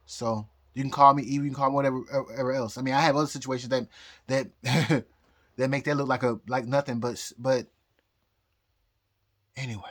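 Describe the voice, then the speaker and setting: A man's voice: medium pitch, steady tone, brisk, pauses often, a bit bright. A tipsy man delivers a loose, personal rant. He halts, doubles back and repeats his phrases as he goes. His delivery is emphatic and defiant, with an unscripted, rambling flow. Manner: emphatic, defiant talk of fate and God. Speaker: astrologer.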